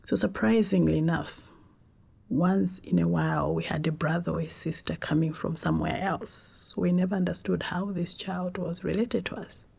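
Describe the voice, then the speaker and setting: A Zambian woman whose first language is Tonga, telling her life story in a reflective, unhurried way with pauses and restarts. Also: lowish voice, fairly even intonation, creaky, darkish tone, husky. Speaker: documentary interviewee.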